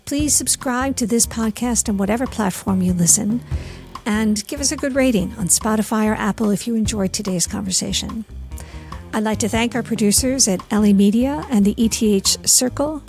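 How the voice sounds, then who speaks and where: Gravelly, high-pitched woman hosting a podcast. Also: moderate pace, a little mellow, soft background music. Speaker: podcast host and interviewer. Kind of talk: interview questions and podcast narration.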